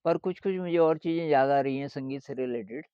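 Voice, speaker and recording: An older man calmly telling stories from his life in an interview, repeating words for effect. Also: mid-range voice, fairly quick, clean tone, no echo. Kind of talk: reflective storytelling. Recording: dry, slightly dull lo-fi audio.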